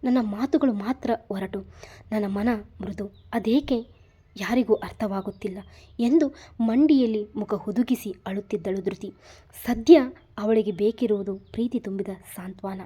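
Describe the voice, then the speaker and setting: Mellow-voiced woman narrating a story. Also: mid-range voice, a little slow, breathy edge. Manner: dramatic, expressive reading.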